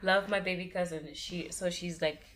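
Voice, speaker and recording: A woman's voice: on the low side, fairly even intonation, normal speed, fairly bright tone. Laid back giggly woman on a podcast, chatting close to the mic. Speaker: podcast co-host. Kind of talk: casual chat.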